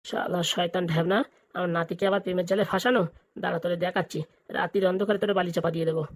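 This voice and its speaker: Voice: mid-range voice, steady tone, rapid-fire, natural voice. A performer voicing a protective, crafty village grandfather in a comedy cartoon, talking colloquially and grumbling. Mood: vengeful muttering. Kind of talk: exaggerated cartoon comedy dialogue.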